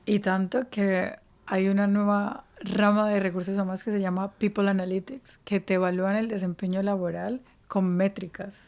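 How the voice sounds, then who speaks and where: Flat-toned woman giving career advice. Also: medium pitch, moderate pace, few pauses. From Spain. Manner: explanatory, evenly paced answers. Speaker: podcast guest, career advisor. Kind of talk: interview podcast.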